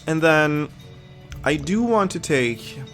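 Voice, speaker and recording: A man's voice: a little high, expressive, slow pace, faint music behind. A man hosting a let's-play video, a little sniffly from a cold, thinking aloud and reading game text with frequent ums. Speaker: gaming video host. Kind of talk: casual let's-play commentary.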